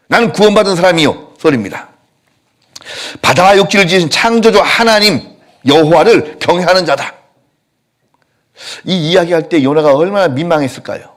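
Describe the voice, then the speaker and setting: A male pastor preaching a sermon in a church, telling stories with lively acted-out quotes. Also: a little high. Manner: animated storytelling, acting out quotes. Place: church sanctuary.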